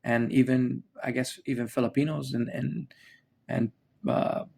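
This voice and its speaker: A man's voice: mid-range voice, fairly even intonation, a little slow, creaky, warm tone, husky. A man from the United States hosting a podcast, chatting casually and rambling with many fillers and restarts. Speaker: podcast host. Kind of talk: casual chat.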